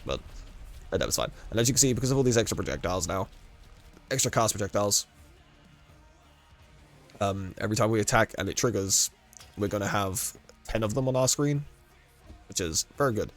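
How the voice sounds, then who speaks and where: A man's voice: on the low side, expressive, fairly quick, pauses often, faint music behind. A man with a cold and a congested voice casually talking through a game build and run, rambling with frequent self-corrections. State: congested with a cold, losing his voice. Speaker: gaming guide creator. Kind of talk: casual gameplay walkthrough commentary.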